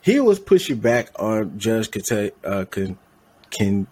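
A man's voice: on the low side, big pitch swings, slow, darkish tone, husky. A man co-hosting a podcast in casual chat, rambling and correcting his own slips with a laugh. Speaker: podcast co-host.

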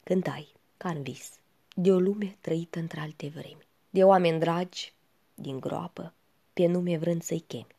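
Low husky woman reciting poetry. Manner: slow, hushed, often sinking to a whisper. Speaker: reader.

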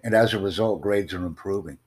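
A man hosting an online voice chat, talking in a formal, measured, promotional way. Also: low voice. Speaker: host of online conversation. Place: in the United States.

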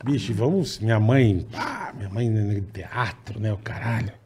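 A man co-hosting a casual chat, loud and laughing a lot, shouting when he acts out his stories. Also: on the low side, big pitch swings, unhurried, a little hiss or hum. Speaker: podcast co-host.

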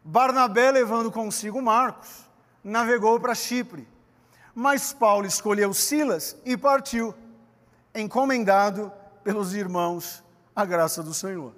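Brief: animated Brazilian preacher, very high voice, long hall reverb, playful and direct with the congregation. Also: male voice, unhurried. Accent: Brazilian Portuguese. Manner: animated, joking, talks straight to the congregation. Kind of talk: lively sermon.

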